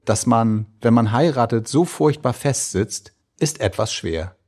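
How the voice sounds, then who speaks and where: A man giving a measured, expressive reading of old letters and diary entries. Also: mid-range voice. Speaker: reader.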